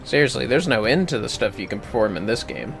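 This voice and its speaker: A man's voice: mid-range voice, expressive, fast, fairly bright tone. A man casually chatting to viewers on a gaming livestream, rambling and swearing as he talks to himself. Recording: music playing behind the voice. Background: clear music.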